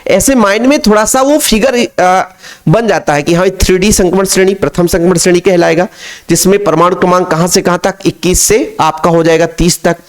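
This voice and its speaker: High-voiced man teaching chemistry. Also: brisk. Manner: repetitive, coaxing, keeps addressing the students. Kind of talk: classroom lecture.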